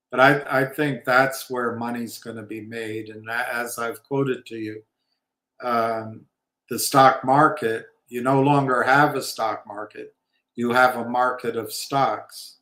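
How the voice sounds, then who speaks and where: A man's voice: mid-range voice, sharp tone. A man hosting a casual livestream about markets, rambling and opinionated with wry asides. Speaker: livestream host. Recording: roomy echo.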